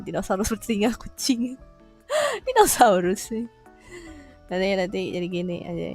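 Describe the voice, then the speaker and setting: A woman live streamer chatting casually with her viewers, playful and teasing, laughing often and throwing in little roars. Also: medium pitch. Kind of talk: casual livestream chat reading viewer comments.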